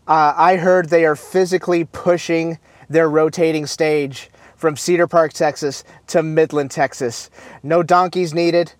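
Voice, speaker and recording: A man hosting a casual talk show, chatty and upbeat, with many fillers, restarts and quick asides. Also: a little high, no room sound. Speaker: host. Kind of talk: casual chat about marching bands.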